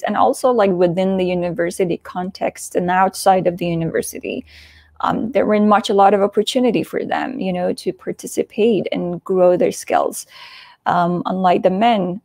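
Earnest woman speaker, low dry voice. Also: creaky, darkish tone, dry recording. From Afghanistan. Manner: earnest, frequent "um" fillers. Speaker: conference speaker. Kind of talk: prepared talk over video call. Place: small indoor room with wood panelling. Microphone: earphone headset mic on video call.

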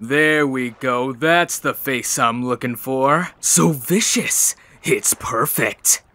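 A man's voice: mid-range voice, takes it slowly, bright, forceful tone. A man voicing a cocky, battle-hungry master swordsman villain in a fan dub of an anime game. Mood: gloating.

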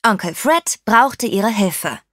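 A woman narrating a children's audiobook with lively, playful storytelling. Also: medium pitch, takes it slowly, no room sound, studio quality.

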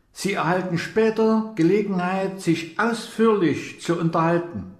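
An actor playing a formal, courteous government official in a radio drama, with a stiff, deliberate, halting delivery. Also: male voice, sits high, darkish tone. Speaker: official leading a project briefing. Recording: roomy echo.

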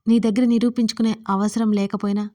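A woman's voice: mid-range voice, level tone, fast, mellow, lightly acted. A woman voicing a hurt, angry young man in an audio story, speaking sternly in a raised voice.

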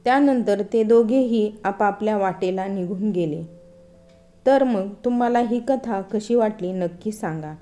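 A woman narrating an emotional moral story in a steady, earnest storytelling manner. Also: mid-range voice, a little slow, soft background music.

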